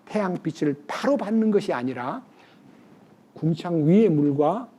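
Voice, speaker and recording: A man's voice: on the high side, expressive, measured pace, mellow. A male pastor delivering a sermon in a conversational way, putting questions to the congregation.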